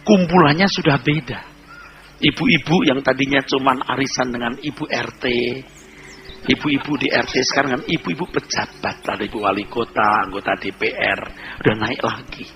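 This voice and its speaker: A male pastor preaching a humorous sermon, telling lively stories and acting out little scenes. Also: mid-range voice, moderate pace, background noise.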